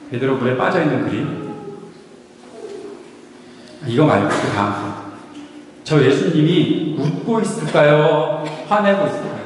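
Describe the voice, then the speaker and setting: A man preaching a sermon as pastor, playful and often laughing as he asks the congregation questions. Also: fairly high pitch. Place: church sanctuary. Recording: echoey hall from far off.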